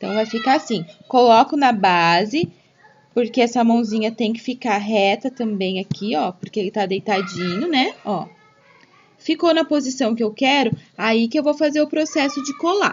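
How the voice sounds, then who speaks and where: Using lively intonation, a woman speaks at a moderate pace. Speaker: craft teacher. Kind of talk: tutorial. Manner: loud, shouting over noise.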